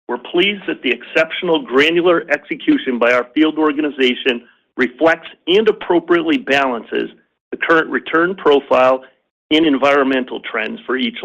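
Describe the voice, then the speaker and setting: A man's voice: medium pitch, a bit bright. A man reading a scripted financial presentation on an earnings call as a company executive, in a formal, businesslike way. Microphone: conference call line. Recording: slightly dull lo-fi call audio.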